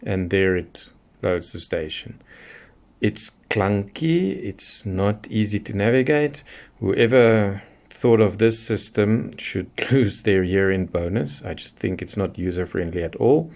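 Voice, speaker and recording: A man's voice: lowish voice, lively intonation, slow, creaky, a little mellow. A middle-aged man giving a casual hands-on tutorial, explaining things step by step as a gadget reviewer. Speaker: radio reviewer demonstrating features.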